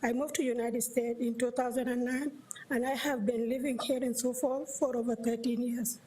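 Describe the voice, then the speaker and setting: A woman in her thirties from South Sudan reads her letter aloud at a meeting, her high voice stumbling through restarts as she goes. A faint hiss runs under the recording. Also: steady tone, moderate pace, dark tone. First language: a South Sudanese language. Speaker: parent speaking at public comment. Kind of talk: reading a prepared letter aloud.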